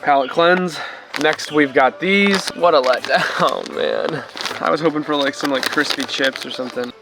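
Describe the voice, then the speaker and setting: A man's voice: a little high, expressive, normal speed, music in the background. A young man vlogging outdoors at a campsite in a chatty, laid-back, joking way. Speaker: camping vlogger. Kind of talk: casual vlog talk.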